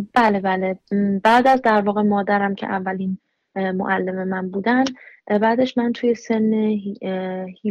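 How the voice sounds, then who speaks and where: At a fairly slow pace, this speaker uses fairly even intonation and an unremarkable speaking voice. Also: woman. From Iran, Shiraz. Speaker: singer. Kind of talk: interview.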